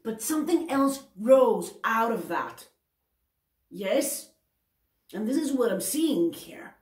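A woman's voice: on the high side, very animated, takes it slowly, a little mellow, reverberant. A woman in her forties with a Greek accent, giving a tarot reading to camera in a chatty, self-correcting way and often checking in with the viewer. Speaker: tarot reader. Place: indoor room at a table.

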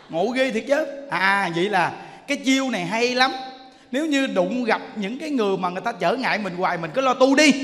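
A Buddhist monk, giving a sermon as a lively storyteller who often asks his listeners "see?". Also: very high-pitched, long reverb tail. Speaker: Buddhist monk teaching dharma. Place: temple hall.

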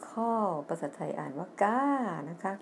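Slow, careful Thai woman teacher. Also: medium pitch, gravelly, a little hiss or hum. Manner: reads English lines slowly and loudly, then explains quickly in Thai; spells words letter by letter. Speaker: English teacher. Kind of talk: TV English lesson, reading a children's story aloud.

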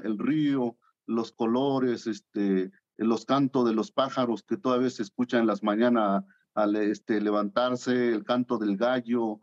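Hesitant and full of fillers, a guest artist from Oaxaca, Mexico, a man in his thirties, answers interview questions via video call from his home art studio. His voice sits in the mid range with a slightly mellow quality, captured in lo-fi sound.

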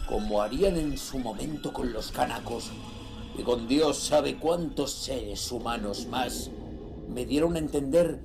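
An actor from playing a ruthless sea trader, narrating his grim confession slowly and gravely in a horror audio drama. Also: mid-range voice. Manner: slow, grave, dramatic delivery.

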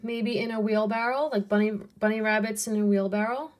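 A young adult woman casually going through a bin of flea market jewelry, pricing each piece and muttering soft asides to herself. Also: medium pitch, steady tone. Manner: unhurried, softly muttering asides, cooing over pieces. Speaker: resale seller pricing jewelry. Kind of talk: casual hands-on haul video.

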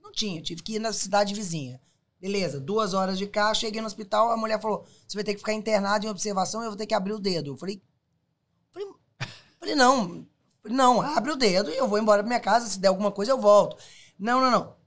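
Brazilian woman in casual chat, animated storyteller, repeats herself, medium pitch. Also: fast talker. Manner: animated, repeats words, acts out quoted dialogue. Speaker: endurance athlete. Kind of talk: casual anecdote telling.

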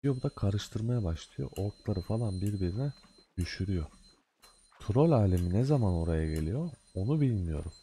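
Deep-voiced man giving chatty game commentary. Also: expressive, moderate pace, mellow, slight background noise. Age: adult with a day job. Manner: chatty, talks back at the game with playful mock scolding; loose slangy banter. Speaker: gaming video host. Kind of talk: casual let's-play commentary.

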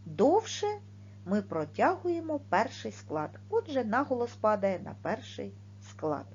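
A woman teaching a video lesson for young children, speaking clearly and stressing each word and sound. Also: a little high, big pitch swings, a little mellow, muffled recording, a little hiss or hum. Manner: slow, clearly articulated, stressing words and sounds. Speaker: primary school teacher.

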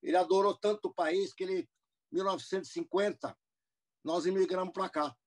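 Guest in his 70s, US-born man, slightly high voice, meandering storyteller with restarts, heard over a video call from a room at home. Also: fairly even intonation, fairly quick. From United States. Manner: rambling, with many restarts and asides. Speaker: guest businessman. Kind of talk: interview, telling his life story.

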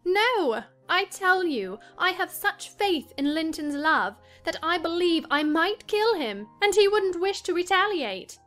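A woman voicing a willful, spoiled young married gentlewoman, emphatic and self-assured, in a dramatized classic novel reading. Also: very high voice, very animated, a little slow, hardly any pauses, faint music behind, voice pushed up, exaggerated voice. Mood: proud, insistent.

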